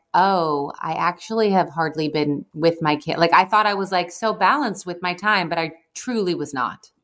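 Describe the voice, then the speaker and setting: An ordinary speaking voice from a woman, fairly low in pitch, with ordinary pitch variation and a moderate pace. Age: 40s. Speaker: podcast host and fashion designer. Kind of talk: casual interview chat. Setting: remote recording.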